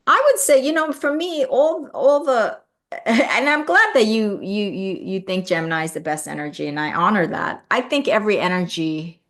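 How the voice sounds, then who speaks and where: A middle-aged woman, born in South Korea and raised in the US, hosts a casual live stream with a slightly low voice. She talks warmly and earnestly, filling her sentences with "you know" and "right?". She grows lively when she thanks viewers. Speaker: live stream host reading viewer comments. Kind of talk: casual live-stream chat about spirituality.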